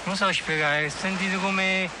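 A man plays a naive young man, halting and searching for words in a slightly high voice. Loud waves wash behind him on the film soundtrack. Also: steady tone, very noisy, natural voice. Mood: hesitant. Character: naive shy young postman. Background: waves and sea ambience.

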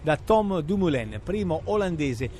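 A man's voice: a little high, big pitch swings, a little slow, a little mellow, slight background noise. An Italian man presenting sport on the radio, reporting and interviewing in an emphatic broadcast style.

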